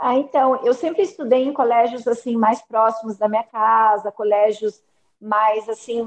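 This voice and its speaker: A woman has an unremarkable speaking voice, fairly high in pitch with ordinary pitch variation. She talks at a fairly slow pace. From Brazil, Curitiba. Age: 40s. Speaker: ophthalmologist. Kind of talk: interview.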